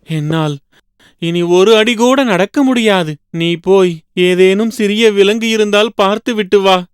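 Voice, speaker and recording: A man as a high-pitched, naive cartoon donkey. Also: measured pace, clean tone, no echo. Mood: weary whining. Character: naive, trusting male donkey friend. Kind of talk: children's cartoon animal fable.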